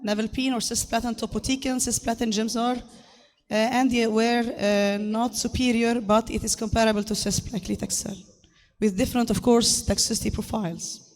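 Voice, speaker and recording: Harsh-voiced woman lecturing in an echoey hall. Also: a little high. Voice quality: harsh, hoarse voice. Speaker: conference speaker, medical doctor. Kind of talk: formal medical lecture. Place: large conference hall. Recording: echoey hall, long reverb.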